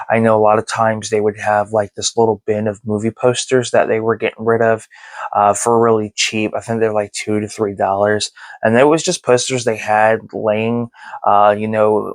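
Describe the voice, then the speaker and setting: Chatting loosely to camera with lots of fillers, a movie review channel host in his thirties rambles in a low, creaky voice with no room sound. He was born in Texas and grew up in Germany and Florida.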